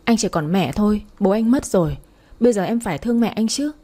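A woman's voice: medium pitch, animated, fairly quick, warm tone, close to an everyday voice. A woman voicing an angry husband who scolds his wife, in a spoken storybook. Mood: angry scolding. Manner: scolding harshly. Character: angry, reproachful young husband.

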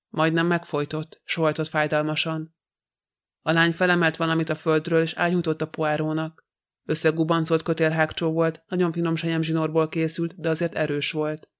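A man reading a novel aloud as a narrator, in a very flat, even delivery. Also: on the high side. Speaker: audiobook narrator. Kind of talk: scripted narration.

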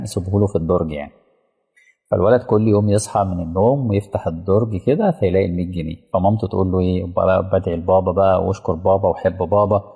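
A low-voiced, gravelly Egyptian preacher talks at a fast clip and keeps asking his listeners whether they follow him. His dark, husky tone rings out with a long tail of hall echo. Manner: engaging, asks the audience rhetorical questions. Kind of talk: colloquial religious lecture with storytelling. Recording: reverberant hall sound.

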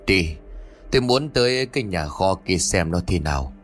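A man voicing a gruff old male village sorcerer who mutters and grumbles in a low voice. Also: expressive, soft background music. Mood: puzzled. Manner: low muttering, slow curses.

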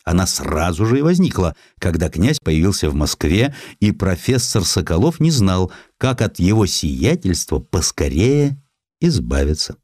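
A man reading a historical essay as an audiobook narrator, in an expressive, scripted literary style. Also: sits low, unhurried, dry recording, clean studio sound.

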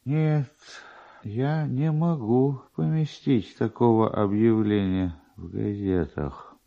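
A man voicing an officious, pedantic, slow-witted male newspaper clerk in a dramatised literary reading, drawing his words out. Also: lowish voice, vocal fry. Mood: officious, reluctant. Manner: deliberate, drawn-out, pedantic. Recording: dull, lo-fi archive radio recording.

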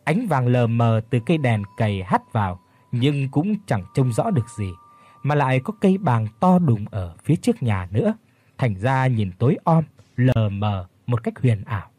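A man narrates a horror story, telling it with dramatic, expressive delivery. His pitch moves freely and his voice has a slight huskiness. The recording is dry and close. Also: normal speed, breathy edge, no echo.

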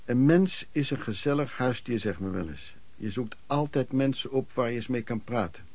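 An actor playing a hardworking itinerant peddler, looking back on his life in colloquial, reflective radio drama narration with a husky voice. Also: mid-range voice, animated, normal speed, darkish tone, no echo. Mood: matter-of-fact.

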